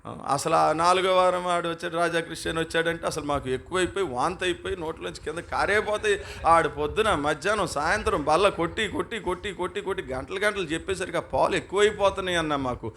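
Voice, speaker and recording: A man with a Telugu accent preaches to his congregation, his voice bright and a touch high for a man. He keeps asking the room questions and slips into quoted voices to make his point. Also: quick pace, gravelly, a little hiss or hum. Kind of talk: sermon. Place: church hall.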